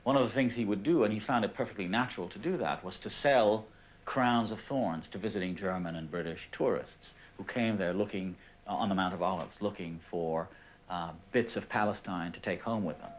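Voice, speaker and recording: A man speaking slowly and hesitantly in an interview, with many fillers. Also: on the low side. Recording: noisy background hiss.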